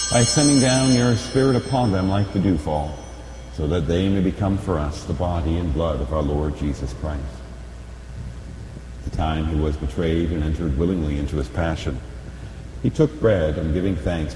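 A man speaking as a priest at Mass, reciting solemn liturgical prayers in a formal, measured way, at times chanting, in an echoing church. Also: sits low. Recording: echoey church, long reverb, background noise.

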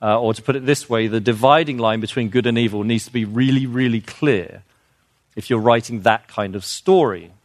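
A man's voice: medium pitch, moderate pace, dry recording. A man giving an informal, earnest lecture, explaining with fillers and restarts and growing emphatic on his key points. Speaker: speaker on children's literature.

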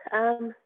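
A male software tester from New Zealand is a guest on a podcast, chatting casually in an interview. He speaks hesitantly, with lots of ums and restarts, and the remote call sounds tinny, like a phone.

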